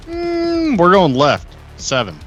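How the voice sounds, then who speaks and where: A man's voice: sits high, wildly swooping pitch, slow, a bit bright, lo-fi sound, faint music behind. A man playing a tabletop game, bantering casually in a blunt, teasing way.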